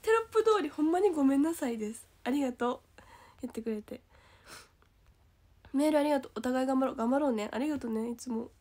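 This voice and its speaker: High-pitched young woman, kansai accent, giggly livestream chat, sometimes whispers. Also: fast, pauses often. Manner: giggly, bubbly, drops to soft whispers. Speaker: idol livestream host. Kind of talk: casual livestream chat reading comments.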